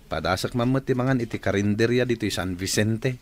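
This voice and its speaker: A man's voice: lowish voice, brisk, natural voice. An actor playing a polite male engineer visiting a village eatery, easily surprised. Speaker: engineer Larry. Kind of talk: Ilocano radio drama acting.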